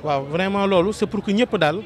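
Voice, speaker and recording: A middle-aged Senegalese man, a real estate promoter, speaking earnestly to journalists at a crowded outdoor event, repeating his pitch. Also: brisk. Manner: earnest, repetitive promotional speech mixing Wolof and French. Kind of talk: press statement to journalists. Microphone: several press microphones held close. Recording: noisy crowd around interview. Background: crowd chatter.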